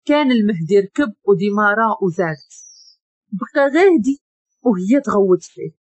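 A woman with a Moroccan accent narrating a dramatic story, expressive and shifting her voice for the characters, close to the mic. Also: mid-range voice, normal speed, dry recording.

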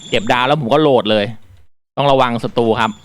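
A man reviewing a mobile shooter in casual commentary, explaining politely and then exclaiming excitedly while he plays. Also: mid-range voice, fast, smooth.

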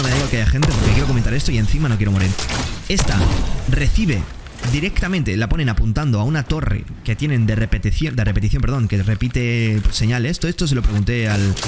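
A man giving excitable, slangy commentary while playing a game. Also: medium pitch. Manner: excitable, slangy, quick exclamations to opponents. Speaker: gaming streamer. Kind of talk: gameplay commentary. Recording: gameplay noise and gunfire behind.

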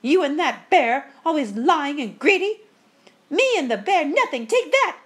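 A woman's voice: sits high, big pitch swings, moderate pace, pitched above the performer's own voice. A woman voicing greedy, quarrelsome ghost sisters in a storybook, bickering and exclaiming shrilly. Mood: furious shrieking.

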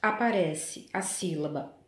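A Brazilian woman teaching a preschool class, speaking gently and singing children's songs in a drawn-out, sing-song way. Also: fairly low pitch, a little hiss or hum. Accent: Brazilian Portuguese. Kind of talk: slow, sing-song lesson for small children. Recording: echoey room.

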